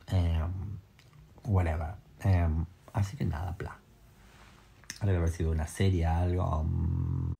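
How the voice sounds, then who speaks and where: A young man with a Rioplatense accent, vlogging in a casual, theatrical way. He is nervous and shaken, and his voice jumps into high squeals and laughter. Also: expressive, measured pace, creaky, noisy background. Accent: Rioplatense Spanish. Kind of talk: casual chat to the camera.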